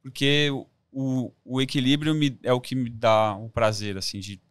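Brazilian guy on a podcast, slangy and into it, average pitch, really dry close mic. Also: flat delivery, moderate pace, clean tone, no room sound. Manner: informal, slangy, enthusiastic. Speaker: podcast guest, amateur triathlete. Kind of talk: casual podcast chat.

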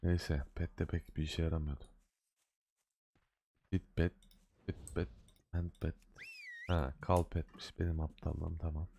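A man's voice: a bass voice, little pitch movement, unhurried, vocal fry, pauses often, mellow, a little hiss or hum. A man casually commenting on his own game as he plays, chatting loosely and scolding the game in mock annoyance. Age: adult with a day job. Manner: loose slangy banter. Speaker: gaming video host. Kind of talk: casual let's-play commentary.

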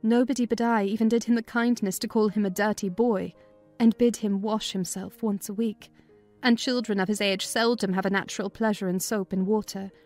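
A woman's voice: medium pitch, steady tone, brisk, a little mellow, soft background music. A woman narrating a classic novel as a scripted, dramatized audiobook reading.

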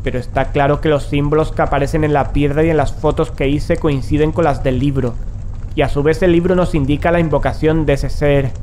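A composed, secretive male investigator played by a man speaks in an audio drama. The voice sits somewhat high for a man, measured and aloof, with faint ambient noise behind it. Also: steady tone, a little mellow, close to an everyday voice. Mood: composed, decisive. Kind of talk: scripted audio drama dialogue and narration.

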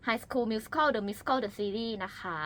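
A young woman, a voice actress and video creator, chatting quickly and giggling as an interview guest. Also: a little high, a bit bright. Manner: fast-talking, giggly. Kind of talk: casual interview chat.

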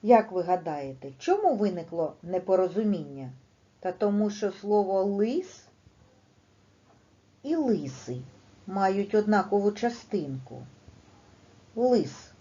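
Woman primary teacher, leans hard on key words, swoops up and down, slow and patient. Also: mid-range voice. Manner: slow and deliberate, stressing words emphatically; lively, sing-song delivery for children. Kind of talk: teaching a lesson to young children. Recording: dull, lo-fi recording.

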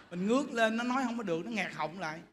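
A Buddhist monk giving a lively sermon, talking directly to his listeners. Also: high-pitched, fast talker. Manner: lively, animated storytelling, addresses the audience directly. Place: temple hall. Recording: echoey hall with faint noise.

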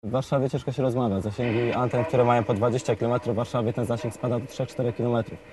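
On a lapel mic and in low-quality audio, a young man in his 20s with a steady, mid-range voice talks through a product without a script, playing the shop expert. His delivery is halting, full of fillers and repeated words.

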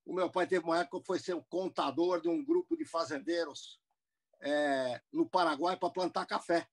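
A man's voice: on the high side, steady tone, normal speed. An older man in his seventies, born in the United States, recounts his life at length on a video call. His slightly raised voice wanders through asides and restarts as he talks from a room at home. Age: 70s. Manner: rambling, with many restarts and asides. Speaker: guest businessman. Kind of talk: interview, telling his life story.

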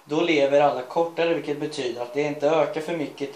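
Slightly high, chatty guy in an echoey room. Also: fairly even intonation, a little mellow. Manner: chatty, self-mocking asides, laughs at his own writing. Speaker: vlogger reading his own school story. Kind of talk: rambling storytime, reading aloud.

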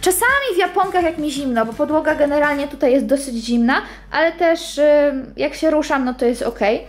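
A woman's voice: high-pitched, expressive, moderate pace. A woman in her twenties chatting casually as she walks a camera around her small apartment, pointing things out. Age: 20s. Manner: chatty, walking and pointing at things while talking. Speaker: vlogger. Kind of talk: casual house tour vlog. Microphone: handheld camera at arm's length.

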